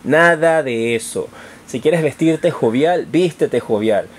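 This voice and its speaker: A man's voice: a little high, animated, takes it slowly. A man hosting an informal tarot horoscope, addressing viewers directly in an affectionate, encouraging manner. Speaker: tarot reader and channel host.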